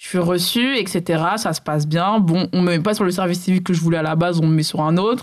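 A woman talks at a very fast pace with hardly any pauses. Her pitch sits fairly low. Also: ordinary pitch variation. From Paris suburbs, Seine-Saint-Denis and Val d'Oise. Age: 20s. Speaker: association co-founder and city councillor. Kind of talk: interview. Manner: hesitant with many fillers.

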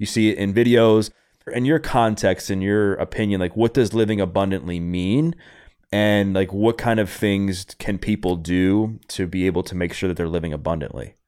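Speaking at a moderate pace, a man has a fairly low pitch, ordinary pitch variation, and an ordinary speaking voice. The recording is very clean, with a silent background. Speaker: podcast host, personal trainer, author. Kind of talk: interview hosting, intro.

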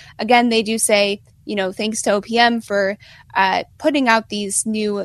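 A woman talks in a plain, everyday voice at a medium pitch. Her pace is moderate and her intonation fairly even. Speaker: news reporter. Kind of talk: interview.

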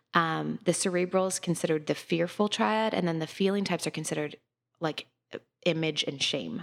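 This woman has an ordinary speaking voice, with an American accent, a fairly low pitch, ordinary pitch variation and a fairly quick pace, in a very clean recording with a silent background. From Chicago, US Midwest. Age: 30s. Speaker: realtor and Enneagram enthusiast. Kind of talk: casual interview.

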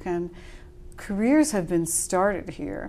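A woman speaks with an American accent. She has a normal speaking voice at a medium pitch. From New Jersey. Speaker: author and writers' association president. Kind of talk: interview. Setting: convention venue.

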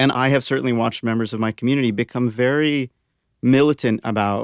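Talking at a fairly quick pace, a man uses a normal speaking voice with an American accent. His pitch is medium, with ordinary pitch variation. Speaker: playwright. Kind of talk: panel discussion.

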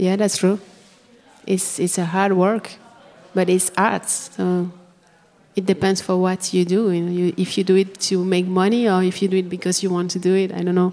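A woman speaks in a non-native accent at a moderate pace. Her medium-pitched voice stays monotone and flat. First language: not English. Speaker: musician. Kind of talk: live interview on stage. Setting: stage with audience. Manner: halting.

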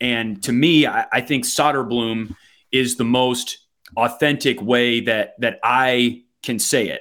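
A man with a Wisconsin accent talks at a very slow pace, his medium-pitched voice monotone and flat. The recording is very clean, with a silent background. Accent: Wisconsin Midwestern US. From US Midwest, Wisconsin. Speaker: hockey play-by-play announcer. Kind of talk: casual interview chat.

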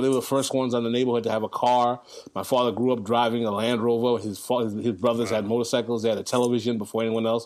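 A man with a New York accent talks at a very fast pace. His pitch sits in the middle range, and his intonation stays fairly even. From New York City. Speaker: political commentator. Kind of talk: interview.

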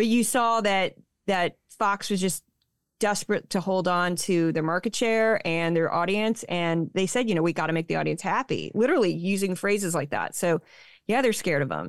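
Against a quiet background, a woman with an ordinary speaking voice and an American accent talks at a moderate pace in a medium pitch, with ordinary pitch variation and very even loudness. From US Midwest, St. Louis suburbs. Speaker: journalist and media critic. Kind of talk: casual interview chat.

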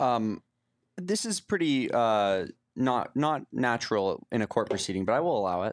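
A man with a plain, everyday voice speaks at a moderate pace in a medium pitch, his intonation lively and his loudness very even. The sound is dry and close with no echo, a very clean recording with a silent background. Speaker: podcast producer acting as mock judge. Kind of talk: comedic mock trial. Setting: studio.

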